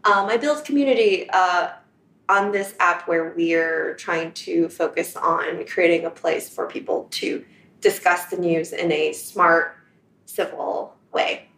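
A woman's voice: on the low side, slow, a bit bright, echoey room, low-quality recording. A woman from China, an interview guest, telling her story in a reflective, conversational way, recorded in a New York apartment. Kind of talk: casual conversation.

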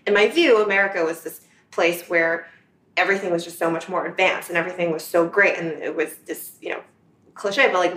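A woman from China speaks as an interview guest, thoughtful and conversational as she tells her story. Her voice sits a little low. The apartment around her gives the sound a roomy echo. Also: a bit bright. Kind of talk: casual conversation. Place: apartment in New York.

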